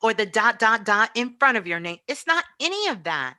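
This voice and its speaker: A woman's voice: on the high side, big pitch swings, normal speed, sharp tone. A woman giving an impassioned spiritual talk as a guest teacher, emphatic and repetitive like a preacher.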